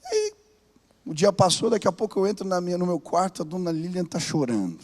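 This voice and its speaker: A man, a pastor telling stories in a sermon, animated and rising into fervent exhortation. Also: sits high, a little fast. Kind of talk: storytelling sermon. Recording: long reverb of a large hall.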